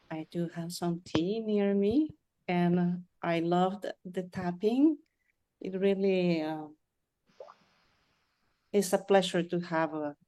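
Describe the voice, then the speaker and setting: A woman's voice: on the low side, darkish tone. A woman from Spain, speaking reflectively and unhurriedly on a video call. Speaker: participant.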